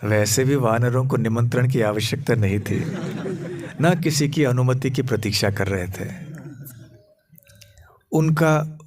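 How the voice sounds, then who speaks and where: Slow-speaking monk telling a sacred story. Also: male voice, mid-range voice, a crowd in the background. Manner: measured, gentle, hesitant pauses. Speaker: monk preacher. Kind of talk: sermon storytelling. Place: temple on a pilgrimage tour.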